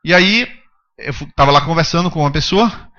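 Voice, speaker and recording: Guy preaching, high bright voice, keeps firing questions at the crowd, kinda muffled lo-fi church recording. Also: a little fast. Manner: emphatic preaching with rhetorical questions to the congregation. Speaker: pastor. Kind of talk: sermon.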